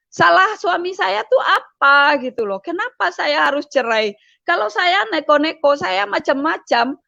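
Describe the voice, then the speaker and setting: High-voiced woman telling her story. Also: vocal fry, a bit bright, no echo, highs cut off. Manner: emotional, repetitive storytelling with frequent hesitations. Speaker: testimony speaker. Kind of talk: personal testimony.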